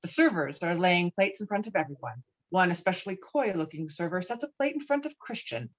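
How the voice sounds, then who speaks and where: A woman's voice: fairly low pitch, expressive, fairly quick. A woman reading out stage directions as scripted screenplay narration. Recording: dull, muffled remote-call audio.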